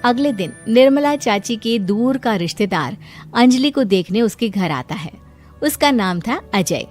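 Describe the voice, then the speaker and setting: Female storybook narrator, steady delivery, light music underneath. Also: a little high, unhurried.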